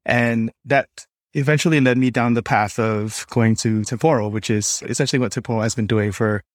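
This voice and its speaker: A man talks as a guest on a tech podcast, explaining things conversationally. His pitch is middling for a man, and the sound is very dry, with little room around the voice. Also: fairly even intonation, a little fast, dry recording. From Singapore. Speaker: podcast guest, developer experience lead.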